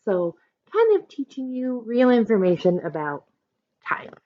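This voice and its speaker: A woman teacher reading a picture book aloud, pausing to explain things simply and directly to young listeners. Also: fairly high pitch, sing-song, dull audio, slight background noise.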